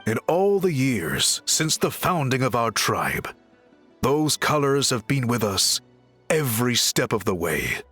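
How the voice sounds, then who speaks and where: A man playing an earnest, courteous tribal craftsman and reformer in a video game, speaking in polite, measured, articulate phrases. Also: mid-range voice, sing-song, fairly bright tone, husky, exaggerated voice. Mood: earnest, resolute. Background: background music.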